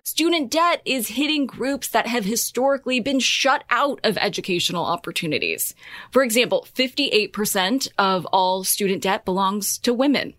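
A woman's voice: a little high, a bit bright, no echo. A woman presenting scripted explanatory commentary as a host, in an emphatic, opinionated way with wry asides. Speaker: host of a personal finance show.

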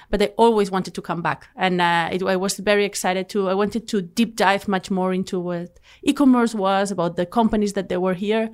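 A woman from Spain with a Spanish accent talks as a guest in a studio interview, eager and quick to restart her sentences. She sounds like she is in her thirties, and her pitch is middling. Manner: eager storytelling, with restarts and acted quotes. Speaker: guest, company founder. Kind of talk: podcast interview.

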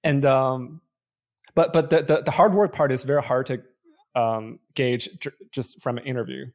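A Canadian venture investor whose first language is Chinese answers interview questions thoughtfully as a guest. His medium-pitched voice is steady and a little mellow, his pace moderate, and he uses frequent fillers and restarts.

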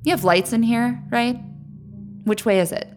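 A man reading a story aloud, voicing a frightened young woman in a high, strained voice over soft music. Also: moderate pace. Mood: uneasy. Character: frightened young woman, defiant then terrified.

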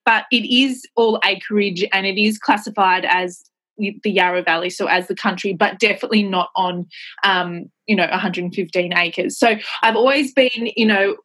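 A woman's voice: mid-range voice, fairly even intonation, normal speed, a bit bright. A young Australian woman with a slight nasal head cold, chatting as a podcast guest in a bubbly, filler-heavy way. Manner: chatty and upbeat, many fillers and quoted asides. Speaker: podcast guest, makeup artist. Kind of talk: casual interview chat.

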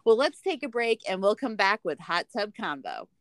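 A woman's voice: mid-range voice, sing-song, moderate pace, dry recording. A woman co-hosting a podcast with a chatty, playful way of talking. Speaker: podcast co-host. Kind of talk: casual chat and read sponsor spots.

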